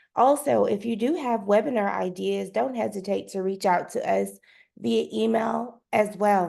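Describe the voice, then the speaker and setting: Putting on a raspy character voice, a woman speaks at a moderate pace and medium pitch. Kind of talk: professional presentation.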